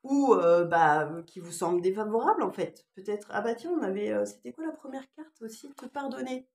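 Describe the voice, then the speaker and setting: A woman with a slight lingering cough gives an informal spiritual card reading in a roomy, echoey space. She alternates between reading messages aloud and musing hesitantly in loose asides, at a middling pitch. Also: animated, moderate pace, a little mellow. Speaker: oracle card reader.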